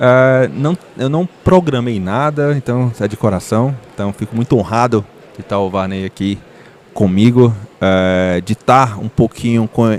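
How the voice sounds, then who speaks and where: A man with a Ceará accent at a fairly slow pace, with ordinary pitch variation and noticeable background noise. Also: medium pitch for a man. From Ceará, Brazil. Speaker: podcast host. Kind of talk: casual chat.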